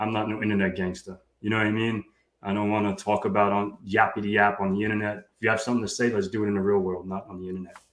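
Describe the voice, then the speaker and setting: A man with a New York accent talks at a very fast pace. His intonation is monotone and flat. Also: fairly low pitch for a man. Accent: heavy New York. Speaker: cybersecurity show co-host. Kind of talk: casual chat.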